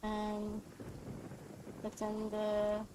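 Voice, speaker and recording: A woman's voice: mid-range voice, completely flat delivery, drawn-out words, mellow, poor audio. A young woman with a South Asian accent, a native Bengali speaker, chatting casually as a game livestream host. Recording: faint background noise.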